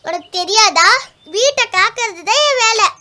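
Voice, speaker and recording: A woman's voice: very high-pitched, lively intonation, normal speed, no room sound, full character voice. A woman voicing a friendly, timid young puppy with an earnest childlike manner in a children's cartoon. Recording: loud music behind the voice.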